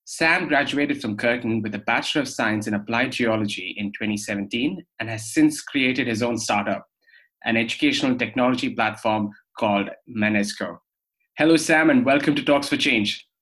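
A man's voice: medium pitch, moderate pace, fairly bright tone, low-quality recording. A young man from Australia hosting a podcast interview, friendly and a bit hesitant, with fillers and restarts. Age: young adult. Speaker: podcast host. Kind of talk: conversational interview.

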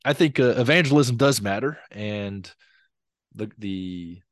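A man with a low, deep voice lays out ideas in a measured, explanatory way, now and then troubled by a cough. The sound is dry and close, with no room echo. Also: animated. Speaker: Bible teacher guest. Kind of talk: podcast conversation.

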